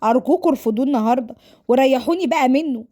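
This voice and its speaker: A woman acts out a defiant young Egyptian woman in a family drama story. Her voice is high and she talks very quickly. She complains and pleads with melodramatic distress, refusing to be married off. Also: mellow. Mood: pleading, resentful.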